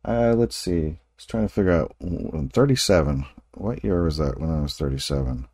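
A man's voice: a bass voice, expressive, moderate pace, a little mellow, no echo, clean studio sound. A man in his late forties hosting a casual interview, talking in a rambling, self-correcting way with frequent laughs. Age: 40s. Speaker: podcast host.

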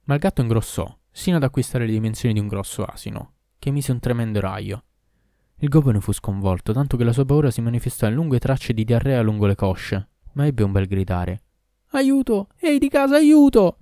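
Low-voiced man reading a tale. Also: fairly quick, dry recording, studio quality. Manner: steady storytelling. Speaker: narrator. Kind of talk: audiobook reading.

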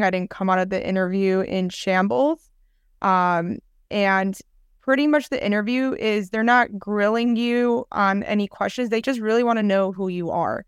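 A dental student in her twenties from the Chicago area chats about her interview in casual answers full of fillers and restarts. Her medium-pitched voice is smooth, and the clean studio recording has no room sound.

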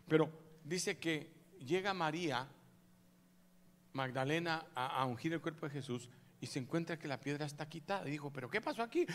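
A man preaching a dramatic sermon as a pastor, acting out scenes and jumping from shouts to hushed lines. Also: on the high side. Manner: acts out scenes, shouts exclamations, swings between loud and hushed.

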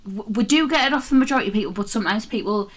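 A woman's voice: medium pitch, rapid-fire. A woman co-hosting a podcast in casual banter, giggly and teasing. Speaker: podcast co-host.

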